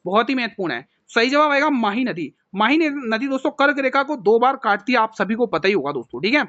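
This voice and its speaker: A man, a coaching teacher solving an exam paper for students in a brisk way, who often calls them "mere bhai". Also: very high-pitched, big pitch swings, pushed and bright, no room sound, muffled recording. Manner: brisk, calls viewers "mere bhai", keeps saying "theek hai".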